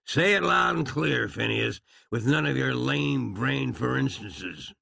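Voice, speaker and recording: A man's voice: medium pitch, expressive, measured pace, vocal fry, pushed and bright, husky, no room sound, voice pushed up, full character voice. A man voicing a grandiose, vengeful Old West marshal who talks in pompous, folksy frontier phrases. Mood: menacing.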